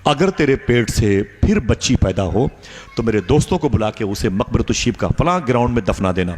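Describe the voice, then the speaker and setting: A man's voice: medium pitch, big pitch swings, darkish tone, in a large hall, close to an everyday voice. A man voicing a harsh, domineering Arab father who barks commands and scorn in a sermon story. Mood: commanding.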